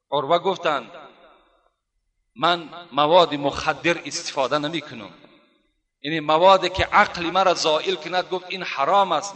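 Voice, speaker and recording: A male preacher tells a devotional story to his dear brothers. He slows down to recite Arabic phrases. His fairly high, bright voice carries a long hall reverb. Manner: addresses listeners as dear brothers. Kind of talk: storytelling sermon.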